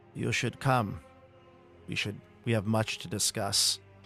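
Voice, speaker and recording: Over clear background music, a man uses a guttural, put-on character voice at a medium pitch and a fairly slow pace. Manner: slow, ominous, formal.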